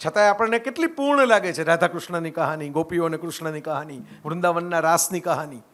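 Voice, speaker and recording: A man's voice: a little high, quick pace, fairly bright tone. A middle-aged man, giving a conversational lecture that mixes stories with reflection and often checks in with the audience. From Gujarat, India. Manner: conversational, keeps asking "right?" to the audience. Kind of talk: storytelling public talk.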